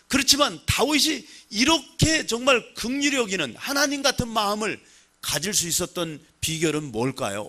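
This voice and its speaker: Male preacher, sermon delivery; bright tone, wide swooping pitch, expressive storyteller. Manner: animated storytelling preacher, leads congregation in reading. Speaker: pastor.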